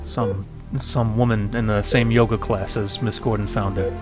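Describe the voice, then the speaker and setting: An actor in a radio drama playing an awkward, apologetic police detective who reports haltingly and uneasily. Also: male voice, lowish voice, flat delivery, natural voice. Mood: awkward, uneasy. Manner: halting, full of uneasy hesitations. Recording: music under the voice.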